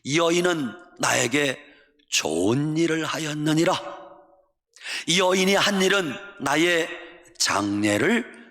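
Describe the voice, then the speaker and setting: A pastor voicing a calm solemn teacher figure. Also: male voice, fairly high pitch, heavily acted. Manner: solemn, slow, archaic pronouncements. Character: calm authoritative male Jesus, grown man. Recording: long church hall reverb.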